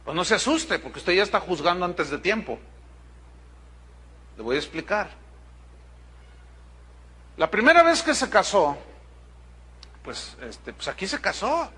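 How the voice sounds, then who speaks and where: Man, Mexican accent, pastor, storytelling sermon, direct and animated, high-pitched, bright tone. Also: measured pace, long pauses, slightly rough.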